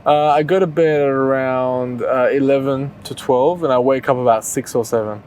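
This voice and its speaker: A man's voice: medium pitch, fairly even intonation, normal speed, darkish tone, a little hiss or hum. A man hosting an interview as a casual chat, led by his questions. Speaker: interview host.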